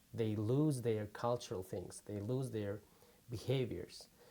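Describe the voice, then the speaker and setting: With a Turkmen accent, a man speaks at a medium pitch in a dark, mellow tone with ordinary pitch variation. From Turkmenistan. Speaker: filmmaker and immigrant interviewee. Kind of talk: oral history interview. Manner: halting, non-native phrasing.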